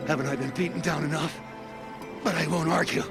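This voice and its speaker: An actor playing a boastful, defiant tribal warrior in a video game, speaking with dramatic, pleading emphasis. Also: male voice, on the high side, fairly even intonation, a little fast, lightly acted. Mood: weary, wry. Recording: music behind the voice. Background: loud music.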